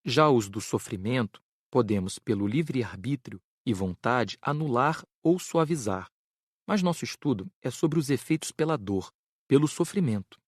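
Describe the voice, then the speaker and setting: Frederico, measured Brazilian spirit teacher played by a man. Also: mid-range voice, animated, dry recording, clean studio sound, natural voice. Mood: measured, instructive. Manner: measured, didactic, careful enunciation. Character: Frederico, earnest spirit doctor teaching karma. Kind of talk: dramatized audiobook lecture.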